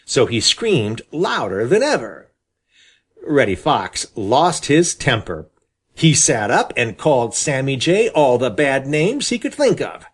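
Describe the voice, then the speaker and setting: A man narrates a children's storybook with a husky tone. His delivery is expressive, with pitch that rises and falls a lot as he tells the story. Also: takes it slowly. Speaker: audiobook reader.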